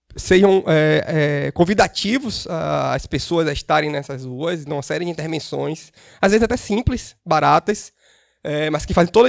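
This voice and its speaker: A man's fairly high voice with lively intonation, a dry, close sound with no echo, and a quiet background. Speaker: course lecturer on urban mobility. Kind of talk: lecture. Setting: auditorium with audience and Zoom. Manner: fast.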